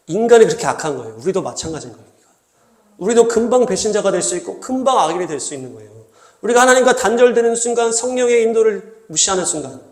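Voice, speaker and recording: A man's voice: fairly high pitch, a little mellow, reverberant. A man preaching a sermon as pastor, earnest and at times acting out the voices he quotes. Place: church hall.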